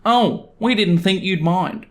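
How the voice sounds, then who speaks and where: An entitled neighbour's wife played by a man reading a story online pleads in a high, strained voice. She whines and wheedles as if the favour were owed to her. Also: slow pace, a bit bright. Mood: wheedling. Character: entitled, whiny neighbour's wife begging for internet.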